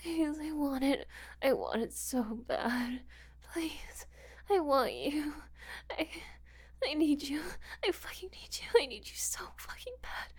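An actress plays a desperate, submissive woman in an adult audio drama. Her high voice is breathy and halting, drawn out as she pleads, often close to a whisper. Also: expressive, full character voice. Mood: desperate, pleading.

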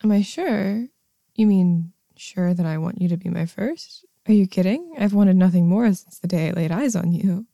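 A woman voicing a shy, eager young woman lover, speaking softly with breathy whispers into a close microphone. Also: lowish voice, normal speed, no echo. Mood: shy, nervous. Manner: soft, breathy, often whispering. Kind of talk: intimate audio roleplay.

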